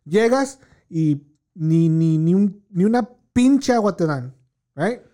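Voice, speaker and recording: A man's voice: high-pitched, expressive, slow, dark tone. A man, chatting casually and telling a profane story, dropping in English words. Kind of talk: casual chat.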